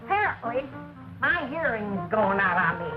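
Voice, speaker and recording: A woman's voice: medium pitch, big pitch swings, moderate pace, natural voice. An actress playing a fussy older mother who doses herself with tonic, in a drawling, theatrical way. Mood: sarcastic. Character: fussy hypochondriac old mother, tipsy on tonic. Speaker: hypochondriac mother. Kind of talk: 1960s film comedy acting. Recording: muffled old film soundtrack with music.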